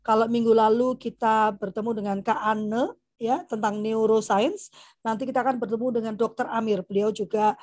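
A woman hosting an online parenting session, talking casually and warmly to a group, dropping English phrases and "gitu ya" fillers often. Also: fairly high pitch, fairly even intonation, moderate pace, no echo. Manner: chatty, frequent "gitu ya" fillers, laughs often; mixes English phrases into speech. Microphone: video call.

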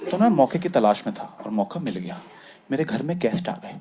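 A man performing stand-up comedy, telling a self-mocking story in an animated way. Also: medium pitch, a little fast, noisy background. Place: comedy stage. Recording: live show with loud crowd laughter.

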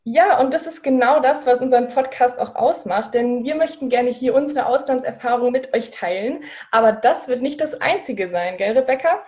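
A woman's voice: on the high side, moderate pace, hardly any pauses. Young woman co-hosting a podcast. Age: 20s. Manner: relaxed, frequent fillers. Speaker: podcast co-host. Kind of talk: casual podcast chat.

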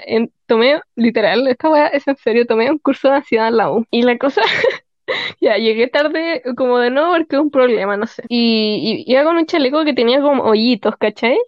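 A young Chilean woman co-hosting a casual podcast. She rambles through her stories in a fairly high voice, leaning hard on filler words. The recording is dull and dry, like a close home mic. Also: a little fast, dry recording. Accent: Chilean Spanish. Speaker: podcast co-host. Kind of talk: casual chat.

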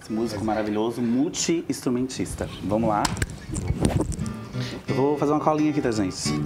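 A woman's voice: extremely low pitch, moderate pace, loud music behind the voice. A woman, a vocal teacher talking expressively as a guest on a TV talk show. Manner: expressive and chatty, calls people "meu amor". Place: TV studio.

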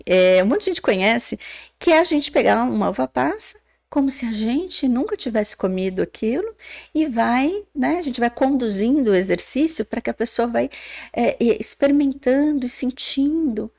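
A Brazilian woman psychologist talks as a podcast guest, her fairly high voice swooping up and down as she explains. There is a gravelly fry under her words, and she keeps checking in with her listeners with short questioning tags. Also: moderate pace. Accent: Brazilian Portuguese. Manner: animated, acts out quoted voices, many "né?" tags.

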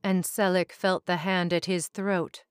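A woman reading a fantasy short story aloud in a slow, measured narration. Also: fairly low pitch, flat delivery, smooth, no echo, clean studio sound. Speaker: story reader.

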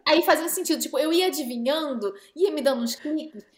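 Woman guest in her 30s, lively anecdotes, roomy sound. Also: high voice, brisk. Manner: animated storytelling, laughs often, quotes people. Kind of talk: casual interview chat.

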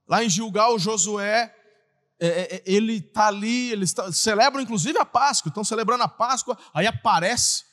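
A Brazilian man preaches a sermon with a high, very lively voice. He acts out voices and breaks into sudden shouts. The sound rings with a long hall reverb. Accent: Brazilian Portuguese. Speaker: pastor.

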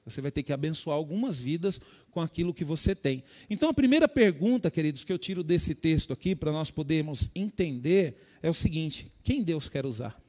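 A man with a Brazilian Portuguese accent preaching a sermon as pastor, his voice swinging from soft storytelling to sudden loud, high calls. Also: animated, a little fast, hardly any pauses. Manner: preaching with sudden rises in pitch and volume, addressing "queridos".

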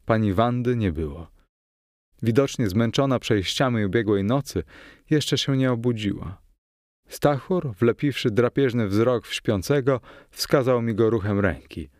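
A man narrating a novel in the first person, in a measured, steady storytelling manner. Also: mid-range voice, no room sound, studio quality. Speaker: audiobook narrator.

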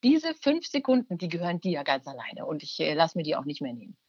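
A woman in her thirties, a mother of three, chatting casually and giving frank, lively advice. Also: low-pitched, fast talker, slightly rough, no echo. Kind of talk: casual chat. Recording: slightly dull, lo-fi sound.

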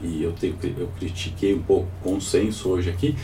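A man's voice: deep voice, steady tone, fairly quick, dark tone. A Brazilian man hosting a live financial morning call, talking informally, his voice congested and sore from a cold, as if his tonsils were swollen. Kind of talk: informal live market commentary with audience questions. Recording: distant mic with faint background noise.

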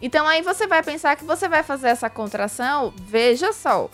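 A woman's voice: high-pitched, a little fast, a bit bright, faint music behind. A Brazilian woman explaining an exercise step by step in a radio interview, in a chatty, didactic way. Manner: didactic, chatty, frequent tag questions and diminutives. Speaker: pelvic physiotherapy expert guest.

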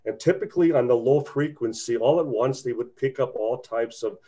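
Mellow-voiced male podcast host. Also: mid-range voice, fairly quick. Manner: polite, interjecting, explanatory. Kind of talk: casual chat.

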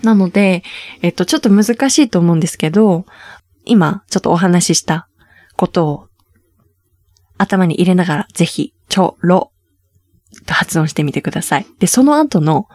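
A woman with a slightly low voice teaches Korean pronunciation in a relaxed, chatty way. She explains patiently and lifts her pitch on the words she stresses. The sound is dry and close. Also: moderate pace, no echo. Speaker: Korean language teacher host. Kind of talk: casual language lesson chat.

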